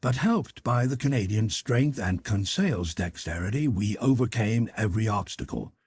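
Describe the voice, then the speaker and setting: A man narrating a literary audiobook in a measured, expressive storytelling manner. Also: fairly low pitch, slightly rough, dry recording.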